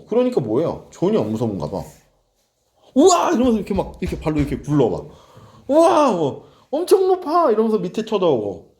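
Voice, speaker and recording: Male teacher, 30s, mellow tone, swinging pitch; chatty lecture with personal stories. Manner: chatty storytelling, animated asides to students. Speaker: English teacher. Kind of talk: recorded exam-prep lecture.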